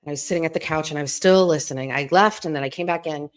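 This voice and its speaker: A middle-aged woman hosting a live stream from home, chatting in a hushed, rambling way so she won't wake anyone. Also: very fast. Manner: talking low and hushed to keep from waking someone; chatty and rambling, full of asides and restarts.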